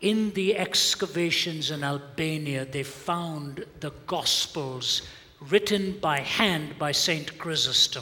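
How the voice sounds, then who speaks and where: A man's fairly high voice at a very slow pace, ordinary pitch variation, and noticeable background noise. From India. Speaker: preacher. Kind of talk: sermon with interpreter. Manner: pauses for translation.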